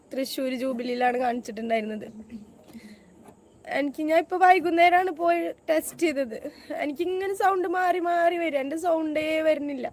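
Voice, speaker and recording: A high-pitched woman speaks to her viewers in an aggrieved, insistent vlog. Her voice is strained from a recent throat surgery, and a faint hum sits under it. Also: darkish tone. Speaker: YouTuber. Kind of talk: emotional personal vlog.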